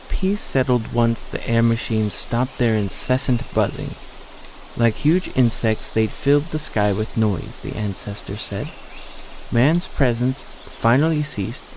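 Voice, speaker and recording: A man's voice: mid-range voice, darkish tone, slight background noise, low-quality recording. A man reading a scripted story as the narrator of an audio drama. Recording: faint outdoor nature ambience.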